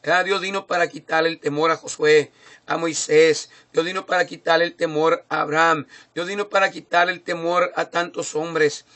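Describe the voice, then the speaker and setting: A man's voice: a little high, fairly even intonation, moderate pace, bright, forceful tone. A man preaching a sermon, speaking with many fillers and tag questions and rising in volume for emphasis. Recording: phone recording.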